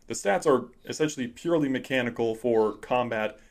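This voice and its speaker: A man's voice: medium pitch, a little fast. A man firmly explaining his view on role-playing characters in casual chat. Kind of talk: casual chat, giving an opinion.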